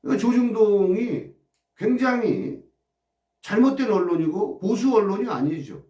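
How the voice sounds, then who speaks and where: A man's voice: high-pitched, expressive, normal speed, dark tone, reverberant, recorded from a distance. A man delivering an impassioned, agitated political commentary monologue, firing off rhetorical questions and blunt insults. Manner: agitated, rhetorical, crude insults, repeated "어?" asides.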